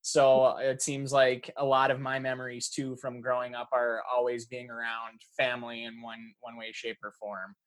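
A man hosting a casual interview podcast, from Michigan's Upper Peninsula, talking in a relaxed, rambling way full of restarts. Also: mid-range voice, moderate pace, few pauses. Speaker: podcast host.

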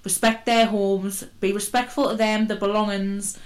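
A woman's voice: medium pitch, little pitch movement, moderate pace. Jokey woman podcast host talking with braces. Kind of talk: casual banter.

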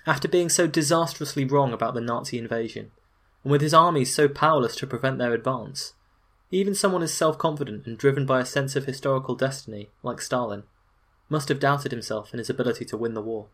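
Male history narrator, mid-range pitch, scripted delivery, dry and sardonic. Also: fast talker, fairly bright tone. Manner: wry and opinionated, with dry sarcastic asides.

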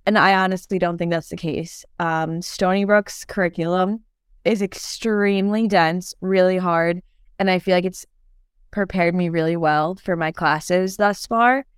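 Chatty young woman, very clear voice. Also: lowish voice, steady tone, a little slow, dry recording, clean studio sound. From born in Turkey, raised in New York. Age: young adult. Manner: chatty, lots of "like" and "um" fillers. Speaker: dental student guest. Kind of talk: casual podcast interview.

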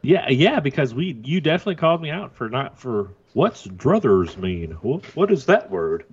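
A man's voice: medium pitch, big pitch swings, moderate pace, husky, dull audio. A man in his thirties co-hosting a sports podcast, laid-back and jokey in casual banter. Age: 30s. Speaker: podcast co-host.

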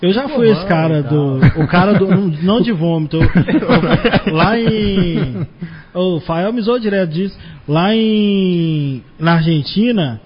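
A man's voice: high voice, takes it slowly. A man hosting a casual podcast chat, jumping in with slangy reactions and his own stories. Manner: reactive, laughing, slangy interjections. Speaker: podcast host. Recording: dull, lo-fi recording.

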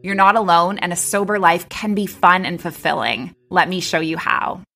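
Upbeat woman podcast host, low voice. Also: normal speed, a bit bright, faint music behind. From Canada. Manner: upbeat, enthusiastic. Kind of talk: podcast interview.

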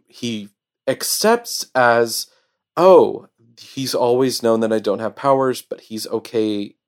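A man in the middle of an excited podcast chat, breaking down a favorite anime scene. He stumbles over his words and restarts often, and his voice sits at an ordinary middle pitch. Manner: enthusiastic, halting with fillers and restarts. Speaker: podcast co-host. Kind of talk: casual anime review chat.

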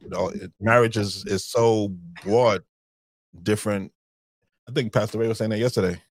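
A man hosts a podcast in a loose, friendly way, chuckling often and circling back on his words. His voice sits a bit low, and the sound is dry and close. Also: fairly even intonation, normal speed, no room sound. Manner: friendly, chuckling, repeats himself. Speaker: podcast host. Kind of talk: casual chat.

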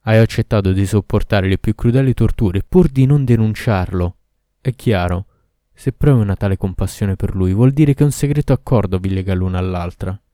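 A man voicing a cruel, furious male demon who shouts accusations and orders in a storybook reading. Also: on the low side, moderate pace, dry recording, studio quality, close to an everyday voice. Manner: loud, commanding, accusing.

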